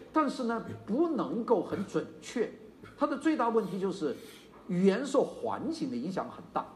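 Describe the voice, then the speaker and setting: An older man with a Chaozhou-tinged Mandarin accent giving a university lecture, animated and digressive, with many fillers and asides. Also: high-pitched. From China.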